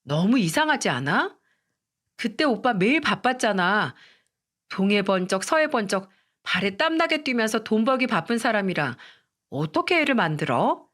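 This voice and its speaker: A woman's voice: medium pitch, sing-song, normal speed, a bit bright. A woman voicing a spiteful young sister-in-law who mocks and accuses. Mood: sneering. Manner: mocking, accusing.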